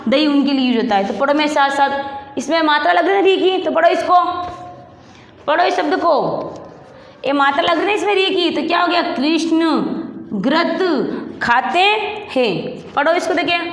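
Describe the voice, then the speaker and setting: A woman's voice: high-pitched, brisk, echoey room, big-room sound. A woman teacher with a Rajasthani Hindi accent, patiently drilling syllables for young children and asking them to repeat. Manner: patient, repeats sounds and asks children to answer back. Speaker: primary school Hindi teacher. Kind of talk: classroom lesson, slow syllable drilling.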